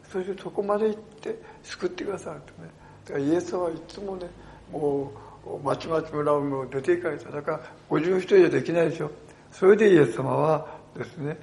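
A male pastor delivering a sermon in a storytelling manner, swinging from hushed tones to loud emphasis. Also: on the high side, gravelly.

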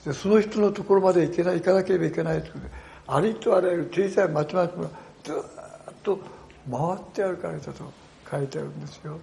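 A male pastor delivering a sermon in a storytelling manner, swinging from hushed tones to loud emphasis. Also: high-pitched, fast talker, creaky.

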